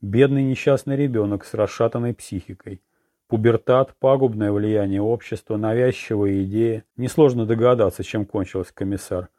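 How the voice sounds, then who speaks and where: A man reading a detective novel as an audiobook narrator in a measured, even manner. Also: on the low side, dry recording, studio quality. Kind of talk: scripted narration.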